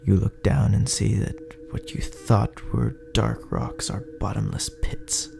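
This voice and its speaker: A man narrating a second-person sci-fi horror story in an ominous, dramatic way, his gravelly, breathy voice often sinking toward a whisper. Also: lowish voice, level tone. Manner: ominous, drawn-out, dramatic phrasing. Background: music.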